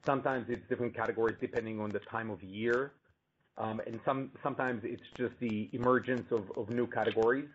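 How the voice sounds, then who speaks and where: A male company executive giving measured, explanatory answers on an earnings call. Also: medium pitch, fairly even intonation. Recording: muffled, noisy conference call line with clicks.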